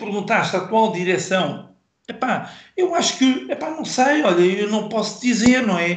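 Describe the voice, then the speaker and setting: Animated in tone, a man speaks at a moderate pace with lively intonation and a high pitch, and the room echo is audible. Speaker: former kickboxing champion and coach. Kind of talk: interview.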